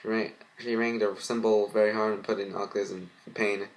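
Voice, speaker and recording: A man with a fairly low voice reads a story aloud. He stumbles on words and goes back to repeat them, and gives his own commentary as the reader. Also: flat delivery, a little fast, low-quality recording. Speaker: fan fiction reader.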